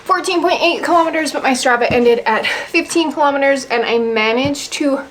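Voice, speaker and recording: A woman's voice: sits high, normal speed, a bit bright. A woman chatting casually to the camera as a vlogger, indoors at home. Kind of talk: casual vlog chat. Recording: light ambient background noise.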